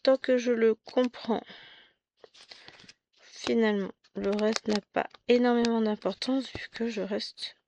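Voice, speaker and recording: A woman's voice: a little high, fairly even intonation, takes it slowly, noisy background. A middle-aged woman from France chatting casually about her stitching, rambling and poking fun at herself. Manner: chatty, rambling, self-mocking with many asides and restarts. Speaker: cross-stitch vlogger. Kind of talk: casual chat.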